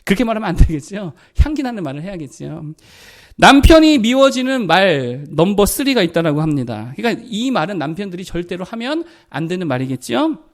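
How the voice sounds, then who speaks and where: A man, a pastor, giving a Sunday sermon in a lively conversational way, acting out quoted lines for humor. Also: high voice, brisk. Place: church sanctuary.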